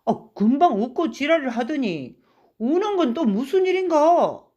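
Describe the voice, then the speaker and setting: A woman's voice: high voice, very animated, measured pace, warm tone, dull audio, pitched above the performer's own voice. A woman voicing a middle-aged male drinking friend who scolds in exasperation. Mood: baffled scolding.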